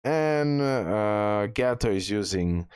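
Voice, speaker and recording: Low-voiced man giving game commentary. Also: animated, takes it slowly, darkish tone, clean tone, no echo, clean studio sound. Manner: repeats phrases for emphasis. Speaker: gaming guide creator. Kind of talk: casual game walkthrough commentary.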